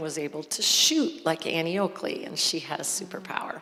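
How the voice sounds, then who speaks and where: Amid noticeable background noise, a woman with an American accent speaks at a medium pitch. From Michigan. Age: 60s. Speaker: novelist. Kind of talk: onstage author interview. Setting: auditorium stage with audience.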